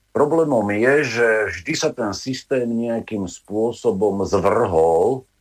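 A man speaks in a plain, everyday voice at medium pitch, with ordinary pitch variation. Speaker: bioethics researcher. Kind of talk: interview.

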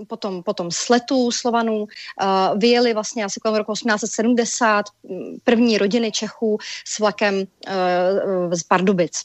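Speaking at a very slow pace, a woman with a fairly high pitch keeps her intonation fairly even. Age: young. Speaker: translator, interpreter and regional party politician. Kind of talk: interview. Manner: hesitant, with many fillers.

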